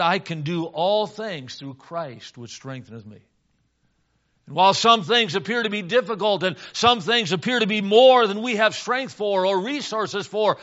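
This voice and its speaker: Folksy preacher man, bright voice. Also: high-pitched. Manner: folksy storytelling, plain and earnest. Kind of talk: sermon with a personal story. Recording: dull lo-fi recording.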